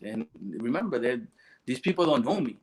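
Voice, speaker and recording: A man, a podcast host sharing a personal story in relaxed, rambling chat. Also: mid-range voice, normal speed, rough recording. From Puerto Rico. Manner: relaxed storytelling with fillers and restarts. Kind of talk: casual chat.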